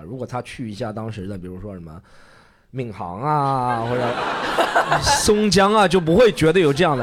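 Over a very clean recording with a silent background, a man at a medium pitch speaks at a fairly quick pace with vocal fry and very wide pitch swings. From Shanghai (Yangpu). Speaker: stand-up comedian. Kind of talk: casual chat. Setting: stage with audience.

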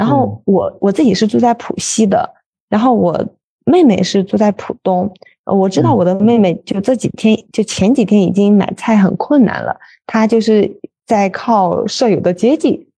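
A woman speaks at medium pitch with lively intonation. Her tone is dark, mellow and somewhat breathy, at a moderate pace. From Anhui, China. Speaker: guest. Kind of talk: casual interview chat.

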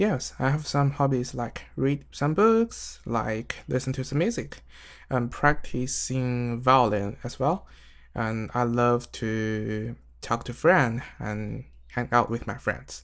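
The speaker has a Chinese accent and talks at a very slow pace. The recording is very clean, with a silent background. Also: man. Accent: Mandarin Chinese accent in English. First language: Mandarin Chinese. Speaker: tech app reviewer. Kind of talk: practice conversation with AI chatbot; casual app demo tutorial. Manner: halting.

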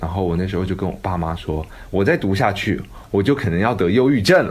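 Amid audible room echo, a man speaks at a very fast pace. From Taiwan. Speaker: theatre actor and director. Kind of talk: casual interview chat.

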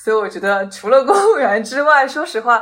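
A woman at a fairly quick pace. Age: 20s. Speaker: software engineer. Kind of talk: casual chat.

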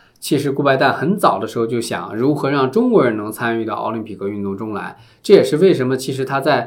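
The delivery is fairly quick. It is an ordinary speaking voice. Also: man. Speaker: Olympic culture promoter. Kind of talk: interview.

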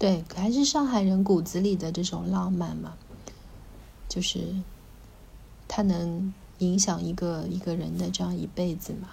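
A woman with a Shanghainese accent at a fairly slow pace, broken by long, frequent pauses. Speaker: podcast guest. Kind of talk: casual chat.

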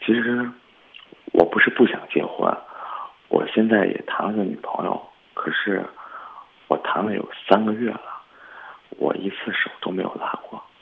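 A man speaks softly at a fairly slow pace, with long pauses coming often. There is noticeable background noise behind him. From Hebei, Xingtai. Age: 20s. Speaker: caller, bank employee. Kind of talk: phone-in personal problem. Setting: phone call from home. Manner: soft-spoken; hesitant.

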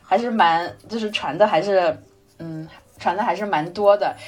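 Lively intonation over music in the background. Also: woman. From Jiangsu, China. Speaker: podcast guest. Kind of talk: casual conversational interview. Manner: halting, heavy repetition of fillers.

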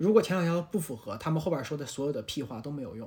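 A man's somewhat breathy, fairly high voice at a fairly quick pace, on a very clean recording with a silent background. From Shanxi, Taiyuan (northern China). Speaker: podcast co-host. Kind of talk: casual chat.

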